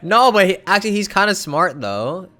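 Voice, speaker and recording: A man's voice: high-pitched, sing-song, normal speed, pushed and bright. A man streaming a video game live, talking casually and thinking aloud. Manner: casual, laid-back, thinking aloud with hums and laughs. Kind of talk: live gameplay commentary.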